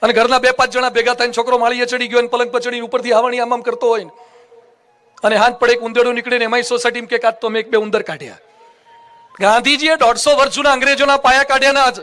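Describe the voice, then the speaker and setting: High bright-voiced male preacher. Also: level tone, very fast. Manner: playful, teasing, quizzes children in the audience. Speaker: monk preacher. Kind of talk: humorous Gujarati religious discourse. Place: assembly hall with a live audience.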